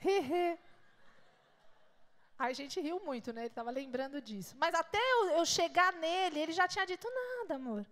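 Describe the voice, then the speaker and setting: Brazilian woman preacher, high voice, animated anecdotal sermon at a church service. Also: moderate pace. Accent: Brazilian Portuguese. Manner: animated storyteller with big swings in loudness.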